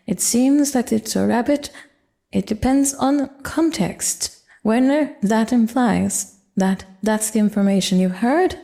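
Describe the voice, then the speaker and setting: An older woman explaining grammar in a measured, careful lecture. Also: a little high, gravelly, dark tone. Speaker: Japanese language teacher. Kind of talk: grammar lesson narration.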